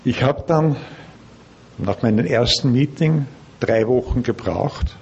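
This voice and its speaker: Mature male meeting speaker, Austrian accent, measured careful delivery of personal testimony, light background noise. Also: medium pitch, a little mellow, muffled recording. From Linz, Austria. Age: middle-aged or older. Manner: measured, careful attempt at standard German. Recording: background noise, room ambience.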